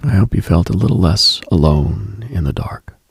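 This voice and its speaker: Very deep, gravelly, husky late-night man. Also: moderate pace, no echo, studio quality. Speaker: late-night radio host. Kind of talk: intimate late-night spiritual radio monologue.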